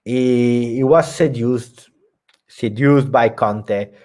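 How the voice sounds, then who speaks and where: A man's voice: medium pitch, drawn-out words, a little mellow. A man hosting a live post-match football reaction stream, talking emphatically and reading viewer comments aloud. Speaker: football channel host.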